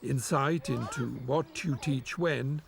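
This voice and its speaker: A man narrating a documentary in a measured, explanatory way and interviewing a teacher. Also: mid-range voice, gravelly.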